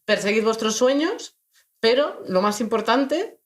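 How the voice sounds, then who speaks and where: Deadpan woman podcast co-host. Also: a little high, unhurried. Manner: deadpan ironic, repeats phrases. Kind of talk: casual joking chat.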